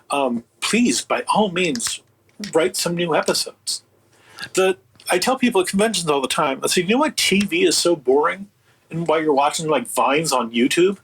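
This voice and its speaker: A man with a slightly husky voice speaking as an interview guest in casual, emphatic, opinionated, rambling talk. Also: fairly high pitch, a bit bright, a little hiss or hum, poor audio. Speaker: guest, audio producer and writer.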